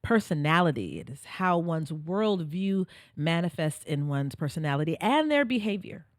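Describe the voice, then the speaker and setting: A woman's voice: low-pitched, very animated, no room sound, clean studio sound. Reflective middle-aged woman co-host. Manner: reflective, explains ideas, slows down for emphasis. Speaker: podcast co-host. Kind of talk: casual chat.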